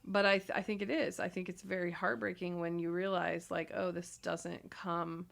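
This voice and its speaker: A woman in her thirties co-hosting a casual marriage advice talk, agreeing often and filling pauses with ums. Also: on the low side, little pitch movement, creaky, a bit bright. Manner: agreeable, frequent affirmations and ums. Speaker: podcast co-host.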